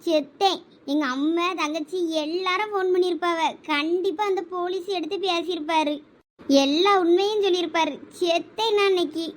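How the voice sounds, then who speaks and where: A woman's voice: extremely high pitch, fairly even intonation, moderate pace. A woman with a Thoothukudi Tamil accent voicing a fretful college girl in a cartoon, exclaiming in panic and scolding her friend. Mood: panicked, scolding. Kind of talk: cartoon voice acting.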